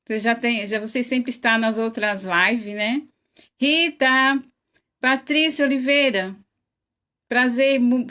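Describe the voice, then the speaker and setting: Slow-talking Brazilian woman hosting a livestream. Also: on the high side. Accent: Brazilian Portuguese. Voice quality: says she has a very loud voice. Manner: greets viewers one by one by name, laughs often, slow and chatty. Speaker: host of an online spiritist study. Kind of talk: casual livestream chat.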